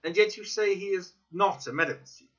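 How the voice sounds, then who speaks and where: A man voicing an inquisitive, reserved gentleman doctor with a formal, questioning manner in a dramatic audiobook reading. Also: high voice, fast talker, voice pushed up. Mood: astonished. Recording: dull lo-fi recording.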